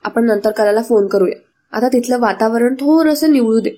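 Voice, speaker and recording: A woman voicing a middle-aged male village father who grumbles and then calms his family. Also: a little high, moderate pace, husky. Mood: grave.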